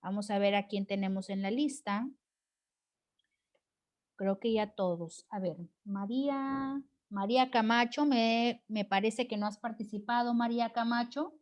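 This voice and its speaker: Teacher: woman, fairly high voice, encouraging, leads an online class over a video call. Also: fairly even intonation, measured pace, darkish tone. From Mexico. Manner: encouraging, frequent "¿verdad?" tag questions.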